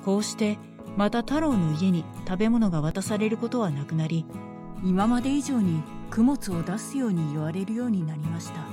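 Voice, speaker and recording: A woman telling a scripted bedtime story in a gentle, even storytelling manner. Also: mid-range voice, normal speed, music in the background.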